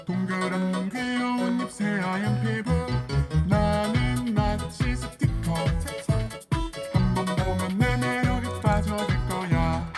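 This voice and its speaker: A man voicing a grown-up adult version of the mascot Kikko in a formant-shifted jingle. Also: high-pitched. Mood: cheerful. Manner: drawn-out sung jingle. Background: guitar backing music.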